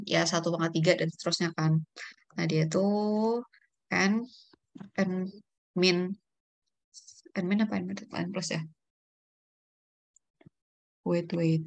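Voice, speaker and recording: Casual woman tutoring math, thinking aloud. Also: fairly low pitch. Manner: casual, thinks aloud, checks herself mid-formula. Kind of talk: online math lesson.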